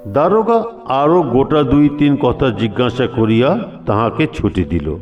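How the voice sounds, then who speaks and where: A man narrating a literary story dramatically, in measured phrases with pauses between them. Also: medium pitch, very animated, a little mellow, lo-fi sound. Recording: echoey hall with long reverb. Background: faint music.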